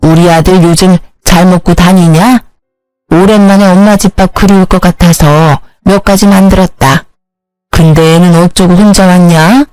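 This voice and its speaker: A woman's voice: lowish voice, fairly even intonation, normal speed, a little mellow, clear, resonant tone, no echo, faint music behind, lightly acted, low-quality recording. A woman voicing a blunt older mother-in-law who speaks in brusque questions.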